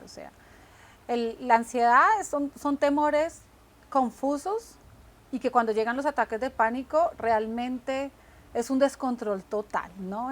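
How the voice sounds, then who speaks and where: A woman, co-hosting a Christian talk show, speaking earnestly about faith and often asking "right?" to check in. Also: sits high. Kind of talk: faith-based casual conversation.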